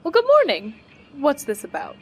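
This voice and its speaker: An actress playing a sassy, bitter bar owner in an audio drama, with a sardonic, expressive delivery. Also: female voice, high-pitched, moderate pace.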